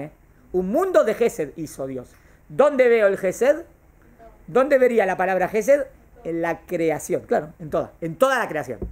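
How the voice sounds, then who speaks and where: A man, teaching a class on Jewish thought, asking the class questions and answering them himself. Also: high voice. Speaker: Torah teacher.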